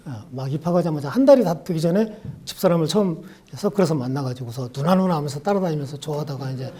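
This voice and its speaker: An older man from Jeolla, South Korea, in his sixties, telling stories from his life at a farewell lecture. His voice is mellow and dark with a husky edge, and he unfolds each anecdote in a reflective, conversational way. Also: a little high. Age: 60s. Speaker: law professor. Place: university lecture room.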